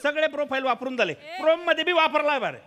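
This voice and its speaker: An actor playing a meek production assistant, apologetic and grumbling, in a stage comedy sketch. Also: male voice, extremely high pitch, lively intonation, quick pace. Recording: noisy stage audio.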